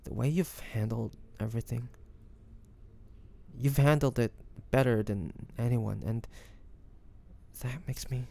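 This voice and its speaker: A man's voice: medium pitch, steady tone, a little slow, pauses often, dark tone. A man playing a devoted, anxious young man caring for a wounded loved one, tender and hesitant, in a romantic audio roleplay. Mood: tender, reassuring. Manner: tender, hesitant, breathy sighs, addressing the listener. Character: devoted, anxious young man tending his wounded dragon-shifter beloved.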